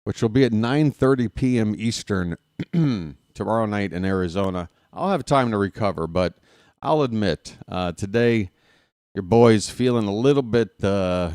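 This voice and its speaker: A man's voice: on the low side, unhurried, no room sound, studio quality. A man hosting a live baseball stream, talking casually with lots of fillers while congested from sinus trouble. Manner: chatty, relaxed, many "uh" fillers. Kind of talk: casual pregame commentary.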